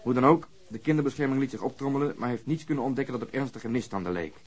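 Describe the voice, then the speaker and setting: A man's voice: medium pitch, racing, husky, lightly acted. A man acting in a radio drama as a brusque, sardonic police detective with a matter-of-fact delivery. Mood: matter-of-fact, dry. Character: brusque, cynical, sarcastic male police detective.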